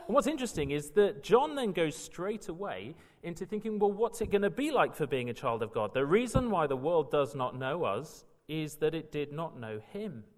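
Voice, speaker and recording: A man's voice: fairly high pitch, big pitch swings, moderate pace, few pauses, darkish tone. A man from Wales, teaching a Bible session in an earnest, emphatic way that builds in bursts. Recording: reverberant hall.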